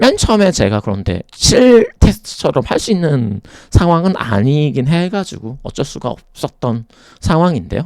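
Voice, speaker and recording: A man's fairly high voice moves through very wide pitch swings at a fairly slow pace. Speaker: app developer. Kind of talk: tech vlog monologue. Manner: casual, hesitant with self-corrections.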